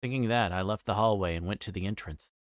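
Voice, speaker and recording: A man livestreaming, reading a visual novel aloud and chatting casually to viewers with halting, rambling asides. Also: lowish voice, no room sound, clean studio sound.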